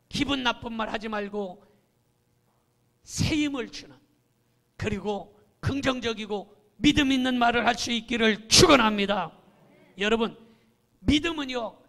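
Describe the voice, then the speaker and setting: High-voiced gravelly male preacher. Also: pushed and bright. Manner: emphatic preaching, acts out quoted voices. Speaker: pastor. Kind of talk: sermon.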